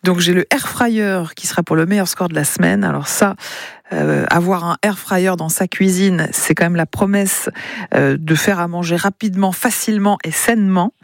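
A woman hosting a local radio game show, bubbly and chatty, talking in quick run-on sentences into a studio microphone. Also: on the low side, vocal fry, no echo.

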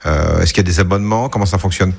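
Man, very low voice, radio host, interviewing a guest, halting with fillers. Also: vocal fry, slight background noise. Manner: measured, hesitant with fillers.

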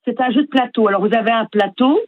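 An older woman from northern France with a northern French accent, calling in to a radio show, friendly and hesitant with many pauses. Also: a little high, no room sound, narrow, tinny audio. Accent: northern French (Flemish area). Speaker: caller.

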